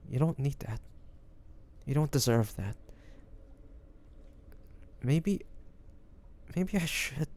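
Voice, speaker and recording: A man playing a devoted, anguished young man in an intimate fantasy romance audio drama, speaking haltingly and emotionally with pauses and sighs. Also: mid-range voice, expressive, darkish tone. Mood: guilty, breaking.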